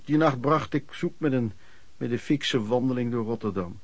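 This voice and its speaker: A man's voice: mid-range voice, moderate pace, no room sound, lightly acted. Actor as dry-sounding colloquial man telling his life. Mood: indignant recollection. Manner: colloquial, storytelling, clipped phrases. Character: man recalling his hard, hopeful youth as street trader. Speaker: narrator. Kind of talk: first-person radio play narration.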